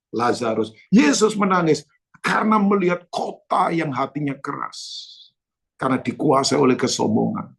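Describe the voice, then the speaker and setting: Male pastor mid-sermon; raspy, gravelly voice, lively and direct with the congregation. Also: mid-range voice. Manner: animated preaching with storytelling, addresses congregation directly. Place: church.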